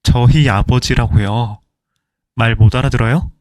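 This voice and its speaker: Give me a man playing a brazen young groom in a story drama who talks down to people, curt and contemptuous, mid-pitched, in a dry and close recording. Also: steady tone, a little slow, darkish tone, dry recording, close to an everyday voice.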